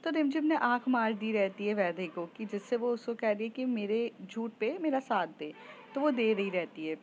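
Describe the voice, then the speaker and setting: A woman's voice: fairly high pitch, expressive, moderate pace, a little mellow, slight background noise. A woman telling a love story in a casual, conversational way with frequent hesitations, on a slightly muffled recording. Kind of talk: casual spoken story narration.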